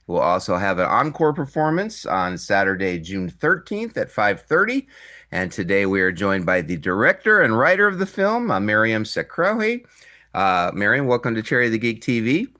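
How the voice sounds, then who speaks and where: Male host reading his interview questions, a crisp, forceful voice sitting somewhat low. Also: sing-song, normal speed. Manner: reads prepared questions, with frequent "uh".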